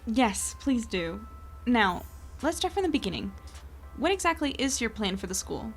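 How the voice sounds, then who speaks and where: A woman's voice: on the high side, very animated, normal speed, faint music behind. A woman playing a polite, inquisitive and slightly awkward reporter in an audio drama, asking questions tentatively. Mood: curious, businesslike.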